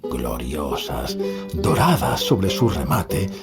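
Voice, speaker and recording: Very deep haunted poet, acted by a man. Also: big pitch swings, heavily acted. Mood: grandiose, melancholy. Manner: slow, grandiose, declamatory. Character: melancholy, haunted poet reciting a dark rhapsody. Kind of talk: theatrical verse recitation. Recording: loud guitar music over the voice. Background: plucked guitar music.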